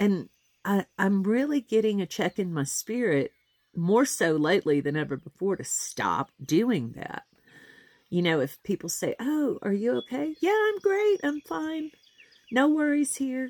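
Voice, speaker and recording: A woman speaks in a Southern US accent at a fairly slow pace. Her fairly high voice makes very wide pitch swings. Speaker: spiritual teacher and tarot reader. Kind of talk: casual teaching monologue. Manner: animated.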